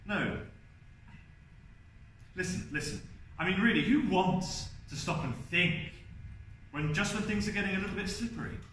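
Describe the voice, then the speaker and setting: A young man performing a theatrical monologue as an ageing gay man confessing helpless desire, confiding and wry, with halting repetitions. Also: high-pitched, a bit bright. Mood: bawdy, defiant. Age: young adult. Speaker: drama student performing a monologue. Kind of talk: theatrical first-person stage monologue. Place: indoor university event space, on stage. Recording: distant, very echoey hall, faint noise.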